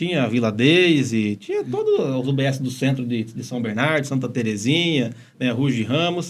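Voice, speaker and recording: A man talks in a São Paulo interior accent with lively intonation. Audible echo fills the room around him. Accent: caipira (São Paulo countryside). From interior of São Paulo state, Brazil. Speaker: family doctor. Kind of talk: podcast interview.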